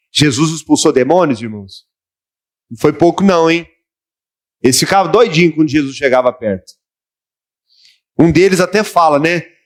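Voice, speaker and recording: Lively intonation marks this moderate-paced speech, broken by long, frequent pauses. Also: man, fairly high pitch for a man. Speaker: pastor. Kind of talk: sermon-style Bible study lecture.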